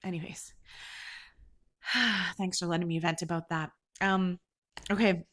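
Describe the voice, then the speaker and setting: A woman's voice: lowish voice, measured pace. Chatty, congested woman venting. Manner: chatty, venting, animated, swears freely. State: congested from allergies. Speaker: podcast host. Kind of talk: casual chat, storytelling.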